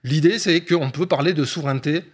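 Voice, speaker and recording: A man's voice: a little high, brisk. A man, an economist guest on a discussion show, explaining at length with frequent hesitation fillers.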